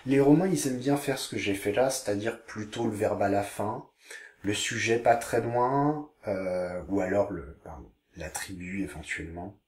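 A man teaching Latin online, reading Latin phrases slowly and carefully before translating them. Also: medium pitch, a little mellow, echoey room. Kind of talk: online language lesson.

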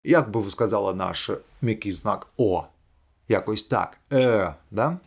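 A man teaching English pronunciation in a video lesson, demonstrating sounds slowly and clearly. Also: lowish voice.

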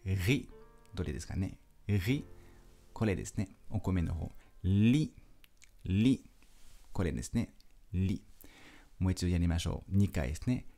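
A man teaching a pronunciation lesson, speaking slowly and patiently and repeating sounds for the listener to pick out. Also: deep voice, expressive, gravelly, dark tone, soft background music. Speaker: French teacher. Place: language school.

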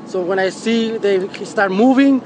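Middle-aged male eyewitness, high-pitched and halting, interviewed on a noisy street. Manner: halting, repeats words. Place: outdoors, roadside with trees. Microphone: handheld reporters' microphones. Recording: noisy outdoor news interview.

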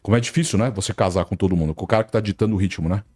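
Brazilian man, TV presenter guest, fast husky lively talk, low voice. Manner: animated, acts out quotes of colleagues. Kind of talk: casual podcast chat.

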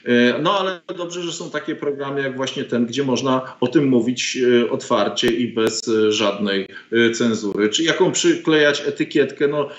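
A man's voice: medium pitch, normal speed, hardly any pauses. Middle-aged male guest, hesitant and indignant, full of ums, roomy dull webcam sound. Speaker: guest commentator, professor. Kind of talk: political interview over video call. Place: home study with bookshelves. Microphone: video call webcam. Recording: roomy, dull lo-fi call audio.

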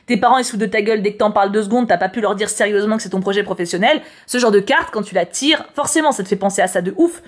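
Racing along with few pauses in a mid-range voice, a woman chats casually on YouTube while reading tarot horoscopes. She uses slang and often repeats words.

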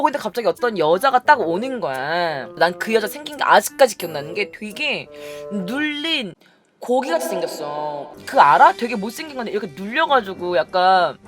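A woman's voice: medium pitch, normal speed, faint music behind. A young woman vlogger telling a story in a casual chat style, acting out the people she quotes. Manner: animated, acts out quoted people.

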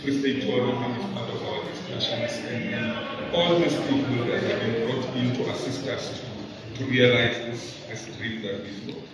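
Middle-aged man, podium speech, halting with many fillers, mid-pitched, booming roomy echo. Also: over a noisy crowd. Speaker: event organizer presenting at a launch. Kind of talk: public presentation speech. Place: large indoor mall venue with stage. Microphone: podium microphone. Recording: echoey hall recorded from far off.

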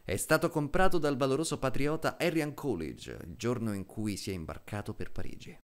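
A man playing a solemn middle-aged military officer in a film dub, speaking to a child in a measured, deliberate way with dramatic pauses. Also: mid-range voice, lively intonation, lightly acted. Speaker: voice actor dubbing a film character.

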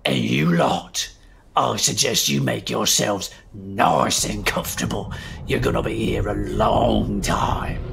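A woman's voice: extremely low pitch, steady tone, slow, creaky, slight background noise, voice pushed down, exaggerated voice. Woman acting as a growly stern lawman. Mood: stern, mocking. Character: gruff male lawman, stern and mocking. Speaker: voice actor. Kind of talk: audio drama acting.

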